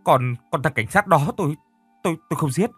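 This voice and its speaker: A man's voice: medium pitch, very animated, fairly quick, breathy edge, no echo, soft background music. A man voicing a haunted male murderer in a horror story, stammering and panicked. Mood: panicked denial. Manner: stammering, frantic.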